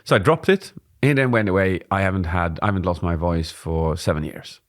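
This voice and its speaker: A man in his forties, a presentation coach, explaining at a relaxed pace as he co-hosts a podcast on a studio mic. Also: low voice, a little fast. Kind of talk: casual podcast chat. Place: dim studio with warm lamps. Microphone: studio mic on boom arm.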